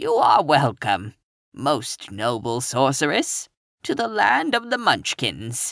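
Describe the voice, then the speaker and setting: Using a put-on character voice, a man talks at a fairly slow pace with very wide pitch swings, the sound dry and close with no echo. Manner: respectful, courteous.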